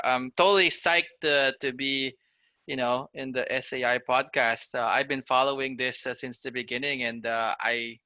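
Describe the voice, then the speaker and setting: Gravelly, bright-voiced man. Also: mid-range voice, no echo, dull audio. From Philippines. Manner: upbeat, talks in long runs full of "uh" and "you know". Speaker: guest, fintech startup founder. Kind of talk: casual podcast interview.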